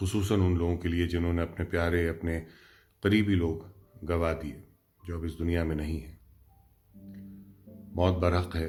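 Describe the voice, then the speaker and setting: Against music in the background, a man with a very deep, low pitch speaks in a monotone, flat intonation. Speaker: voice-over artist. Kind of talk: spoken introduction to a poem. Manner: warm, courteous.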